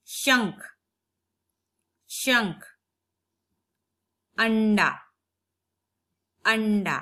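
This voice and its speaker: A woman teacher giving a recorded phonics lesson to young children. She repeats every word and sound slowly and clearly, and stops to ask the children questions. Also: medium pitch, fairly bright tone. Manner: patient, questions the children directly. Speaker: primary school teacher.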